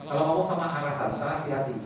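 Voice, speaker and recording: A male Buddhist preacher delivers a sermon in a teasing, storytelling manner, his voice sitting a little high for a man. He sounds set back from the microphone in a very echoey hall. A crowd can be heard behind him. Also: racing. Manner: teasing, lively storytelling with asides to the audience. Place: large hall with an audience. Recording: echoey hall, mic far off, crowd audible.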